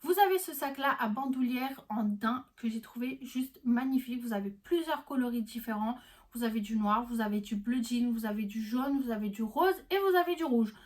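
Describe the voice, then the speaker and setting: A woman's voice: a little high, normal speed. Chatty young French woman vlogger. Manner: chatty, enthusiastic, many fillers and restarts. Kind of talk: casual gift-guide vlog.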